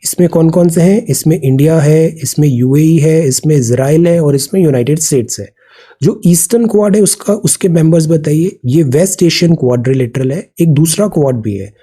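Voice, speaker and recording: A man's voice: a little high, normal speed, dark tone, husky. A man teaching a current affairs exam prep lesson, mixing Hindi and English with an Indian English accent, explaining words and asking students questions. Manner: explanatory, drills pronunciation, asks students questions.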